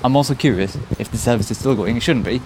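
A man's voice: mid-range voice, fast talker, background noise. A young man from Hartlepool, co-hosting a student podcast in a friendly, casual way and laughing often. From Hartlepool, England. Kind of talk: casual chat, scripted intro.

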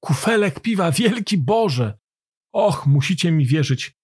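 A man voicing an excited Irish man gushing over a poem in a storybook reading. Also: fairly high pitch, unhurried, husky. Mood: enthusiastic. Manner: enthusiastic exclaiming.

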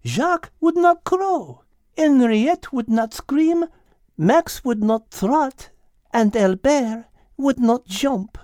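A man voicing a brilliant, gentle female cat with a French accent, patiently explaining in a children's animal story. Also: very high-pitched, expressive, slow pace, no echo, clean studio sound, voice pushed up, full character voice. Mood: patient, teaching.

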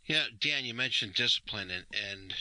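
A man hosting a podcast in a casual chat, halting at times and repeating phrases for emphasis. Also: medium pitch, lively intonation, bright, forceful tone, slight background noise, low-quality recording. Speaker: trading podcast host.

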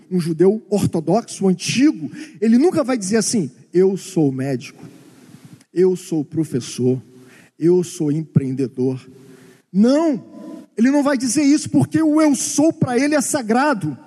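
A man teaches scripture in a sermon, his voice unusually high yet dark and mellow. He explains patiently, circling back to repeat key phrases and posing rhetorical questions. A long reverb from a large hall trails his words. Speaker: preacher.

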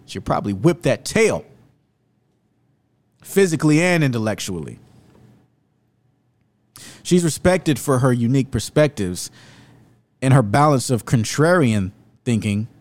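A man's voice: lowish voice, darkish tone. A man hosting an opinionated video commentary, speaking in an emphatic, rhetorical and indignant way. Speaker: commentary host.

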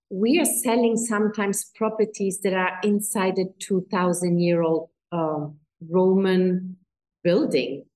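A woman's voice: fairly high pitch, darkish tone, echoey room, poor audio. An Italian woman whose first language is German, speaking English with a German accent as a real estate agent giving an enthusiastic interview, with fillers and restarts. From Italy. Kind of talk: interview guest.

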